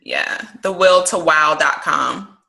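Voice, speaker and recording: A woman's voice: sits low, takes it slowly, creaky, bright, forceful tone. A woman hosting a crystal course conference call, chatty and encouraging. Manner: chatty, encouraging, uses y'all. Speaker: course host. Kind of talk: casual group conference call. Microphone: phone or computer call.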